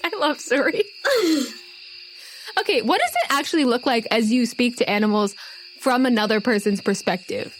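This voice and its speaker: A woman's voice: on the high side, animated, moderate pace, a little hiss or hum. A woman game master and podcast host narrating a tabletop game in conversation with players.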